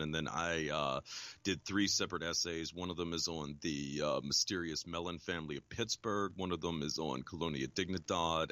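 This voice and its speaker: Man, guest author, very low voice, dry close sound, measured explanations. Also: bright, forceful tone, no echo. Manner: measured, explanatory, many ums. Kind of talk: interview answers.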